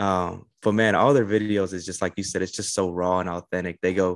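On a very clean recording with a silent background, a man with an American accent speaks fairly quickly in a monotone, flat intonation and a very deep, low pitch. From Houston, Texas. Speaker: podcast host. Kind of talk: casual interview chat.

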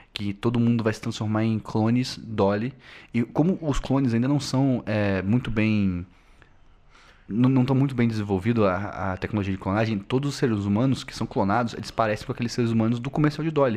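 Against a quiet background, a man talks at a fairly quick pace. His medium pitch carries a dark, mellow tone. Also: ordinary pitch variation. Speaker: podcast co-host. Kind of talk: casual chat. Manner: animated.

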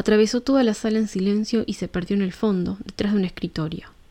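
At a very fast pace, a woman with a medium pitch and a dark, mellow tone talks with fairly even intonation in a very clean recording with a silent background. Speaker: podcast host and author reading her own story. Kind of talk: reading aloud a horror story, eerie ghost story narration.

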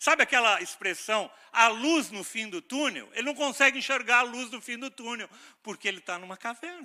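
A raised, projected voice with a bright, sharp tone moves at a moderate pace. Loudness swings widely while pitch varies in an ordinary way. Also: man, extremely high pitch for a man. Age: 50s. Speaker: pastor. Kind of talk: sermon. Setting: church.

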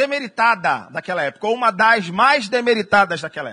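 A man's raised, projected voice, bright and sharp in tone, with very wide pitch swings and a fairly quick pace. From Rio de Janeiro, Brazil. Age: 30s. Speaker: pastor. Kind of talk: sermon. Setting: church.

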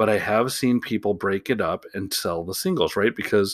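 Speech in an American accent with ordinary pitch variation. The recording is very clean, with a silent background. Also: man. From Chicago. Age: 50s. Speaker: podcast host, sports card collector. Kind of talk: solo podcast monologue. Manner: hesitant, many fillers.

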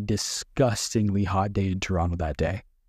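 A man with a dark, mellow tone is heard dry and close with no echo in a very clean recording with a silent background. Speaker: podcast host. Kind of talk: solo commentary monologue. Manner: trails off at ends of phrases; casual with fillers and repetitions.

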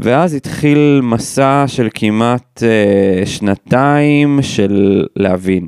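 A man's medium-pitched voice at a very slow pace, with very even loudness, hardly any pauses, ordinary pitch variation and a dry, close sound with no echo. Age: 40s. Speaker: chef and cooking teacher. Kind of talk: casual interview chat.

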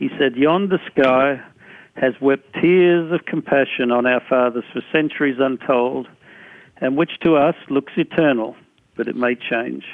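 Speaking at a fairly slow pace, a man with an Australian accent uses a medium pitch and ordinary pitch variation. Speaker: magazine editor. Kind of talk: interview conversation. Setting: studio.

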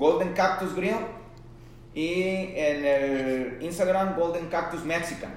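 Over noticeable background noise and audible room echo, a man with a fairly high pitch speaks at a very slow pace with fairly even intonation. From Jalisco, Mexico (Tecolotlán). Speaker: restaurant owner. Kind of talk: casual interview. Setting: restaurant.

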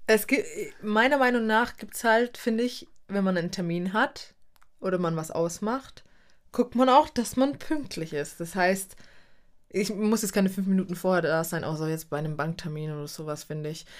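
Lively intonation marks an ordinary speaking voice that keeps a moderate pace. The background is silent in this very clean recording. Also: woman, medium pitch for a woman. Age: 20s. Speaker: social worker. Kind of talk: casual chat.

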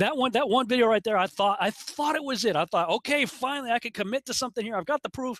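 Talking at a very fast clip, a man comes across in a dry, close recording with no echo. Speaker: speaker presenting on Bible cosmology. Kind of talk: lecture. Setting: live event with audience. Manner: loud.

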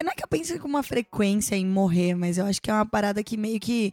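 Here a woman uses a normal speaking voice at medium pitch, with ordinary pitch variation and a moderate pace. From Santa Catarina, Brazil (Itajaí). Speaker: podcast co-host. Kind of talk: casual chat. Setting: studio.

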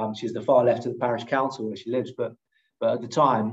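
In a northern English accent, a man speaks with fairly even intonation. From northern England, rural North Yorkshire. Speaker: defence journalist and former soldier. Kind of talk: interview conversation.

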